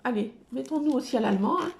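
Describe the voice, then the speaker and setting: A middle-aged woman shows off her craft haul at home in a casual show-and-tell chat, speaking fast in a high, creaky voice with a breathy edge. She sounds hesitant and uses many fillers.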